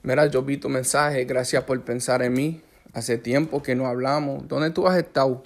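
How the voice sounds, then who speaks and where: A Puerto Rican man with a Puerto Rican accent and a gravelly, mid-pitched voice. He chats in a relaxed, easygoing way, like catching up with family. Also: fairly quick. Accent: Puerto Rican Spanish. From Puerto Rico. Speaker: host chatting with a relative. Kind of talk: casual conversation.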